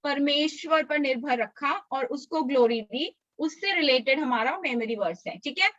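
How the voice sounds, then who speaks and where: Woman, Sunday school teacher, high bright voice, coaxing kids on a dull video call. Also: no echo. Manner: coaxing, slow drilled recitation for small kids. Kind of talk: online children's class.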